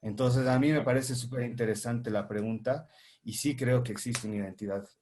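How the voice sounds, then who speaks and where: A filmmaker and teacher, speaking on a panel in a thoughtful, halting way with many fillers and restarts. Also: male voice, medium pitch, steady tone, darkish tone. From Bolivia.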